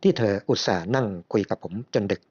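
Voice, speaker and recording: A man narrating his own story in the first person, calm and earnest. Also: fairly low pitch, fast talker. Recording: slightly muffled lo-fi recording.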